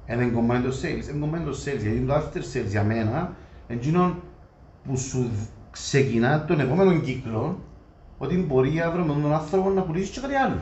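A man with a Greek Cypriot accent chats informally and makes his points in everyday colloquial speech. His voice sits at a middling pitch. The recording is echoey and a bit muffled, with faint noise. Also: lively intonation, darkish tone. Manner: colloquial, acts out imagined customer dialogue. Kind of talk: animated casual discussion.

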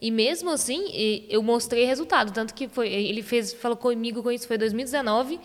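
A woman hosting a podcast in casual chat, upbeat and agreeable with quick interjections. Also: a little high, in a large hall. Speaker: podcast host.

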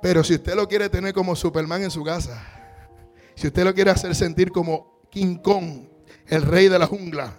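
High-voiced preacher with faint music. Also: male voice, normal speed. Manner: call-and-response preaching, rising to shouts. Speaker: pastor. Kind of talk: sermon.

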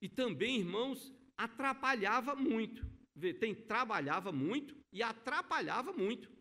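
A man's voice: extremely high pitch, animated, normal speed, sharp tone. A middle-aged male pastor, preaching a sermon in a church and telling stories with emphatic, acted-out quotes. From Brazil. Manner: storytelling, acting out quoted voices, emphatic. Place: church sanctuary.

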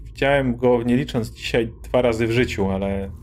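A man voicing a grieving, wary middle-aged mayor who talks softly and hesitantly. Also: mid-range voice, moderate pace, lightly acted. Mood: subdued.

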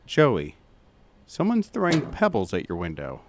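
A man's voice: on the low side, wildly swooping pitch, unhurried, a little hiss or hum. A man narrating a roleplayed audio drama as game master, in a dramatic storytelling style.

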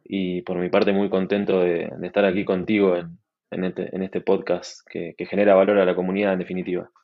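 A man's voice: low-pitched, brisk, creaky, highs cut off. A man from Argentina with an Argentine accent, a startup manager talking easily as an interview guest with many restarts. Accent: Argentine Spanish. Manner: relaxed, fluent, many restarts and fillers. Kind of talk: conversational interview.

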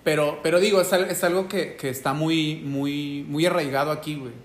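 A man's voice: fairly high pitch, steady tone, normal speed, reverberant. A man from Oaxaca with a Mexican Spanish accent, chatting casually on a podcast in a slangy way. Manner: slangy, peppers talk with "güey". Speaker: podcast host.

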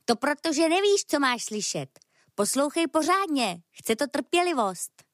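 An eager young rabbit from a children's storybook, excited and insistent, his voice perched high and leaping all over the place, as a woman puts him on. The sound is close and dry, with no room around it. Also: no echo. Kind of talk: storybook reading.

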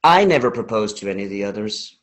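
A man's voice: lowish voice, animated, fast talker, fairly bright tone. An actor playing a charming, playful man in his forties who answers with dry, teasing jokes. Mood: earnest. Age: 40s. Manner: wry, teasing, lightly joking. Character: charming playful 40-year-old man, hotel owner. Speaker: interviewee.

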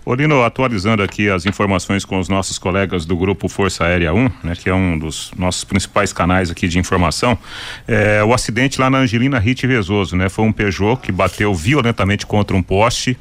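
A man's voice: low-pitched, fairly quick, soft background music. A Brazilian man giving a conversational live news update as a radio reporter.

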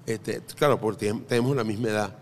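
A man's voice: lowish voice, brisk, a little hiss or hum. A middle-aged Venezuelan man, a podcast guest, chatting casually and telling anecdotes with jokes and frequent restarts. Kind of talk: casual interview chat.

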